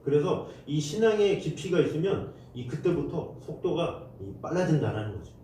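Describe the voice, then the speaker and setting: A male pastor preaching a Sunday sermon, his pitch swinging widely as he acts out desperate prayers and cries. His voice is mellow and fairly high for a man. It rings through a very echoey church hall, picked up from a distant mic. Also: big pitch swings, normal speed, a little hiss or hum. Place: church sanctuary.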